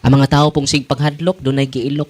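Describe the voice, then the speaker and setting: A Catholic priest, preaching to parishioners in an animated style, laughing often and switching between languages. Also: medium pitch, fairly quick, slight background noise. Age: 40s. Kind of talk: sermon to parishioners.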